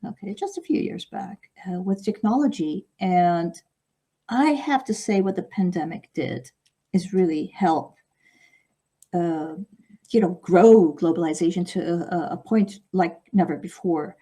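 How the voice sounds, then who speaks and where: A woman's voice: on the low side, unhurried, warm tone, slightly rough. A middle-aged woman whose first language is Arabic, a guest author in a podcast interview, speaking reflectively and often ending points with "okay?".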